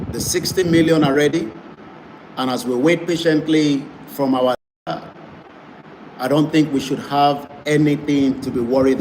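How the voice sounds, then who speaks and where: Emphatic campaigning male broadcaster, noisy. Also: fairly high pitch. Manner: emphatic, repetitive campaigning delivery. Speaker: online broadcaster. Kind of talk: advocacy broadcast. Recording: noisy background.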